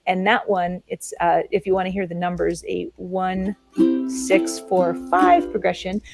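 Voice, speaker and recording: Woman calmly talking through chords. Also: medium pitch. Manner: explains chords plainly and patiently. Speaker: ukulele teacher. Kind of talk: casual music lesson and chat.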